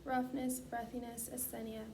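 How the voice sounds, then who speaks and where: High-pitched woman, distant and noisy recording. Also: level tone, moderate pace. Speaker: student speech clinician giving a voice assessment. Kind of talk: scripted clinical demonstration. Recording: distant mic, clear background noise.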